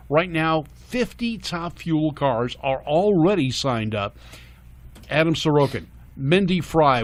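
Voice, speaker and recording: Upbeat male radio car-show host. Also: on the high side. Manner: upbeat, laughs often, rambling introductions. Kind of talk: casual live car-show banter. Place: radio studio.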